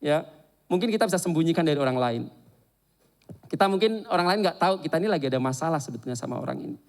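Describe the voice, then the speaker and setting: A man preaching a sermon and telling a candid personal story in an animated, confessional way. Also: on the high side, racing.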